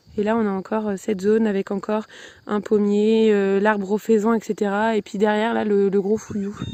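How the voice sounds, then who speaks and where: A woman speaks fairly quickly in a dark, mellow tone at medium pitch. Her intonation is monotone and flat. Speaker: home gardener vlogger. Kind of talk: casual garden tour. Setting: outdoors in garden. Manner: fast; hesitant, many fillers.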